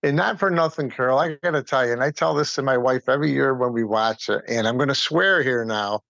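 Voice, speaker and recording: A man talks casually in a medium-pitched voice, repeating words to make his point. The recording is dry but a little dull. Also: fairly quick, gravelly, fairly bright tone, no echo. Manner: emphatic, repeats words for emphasis. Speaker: guest, community theatre player. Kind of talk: casual conversational storytelling. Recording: slightly dull, lo-fi audio.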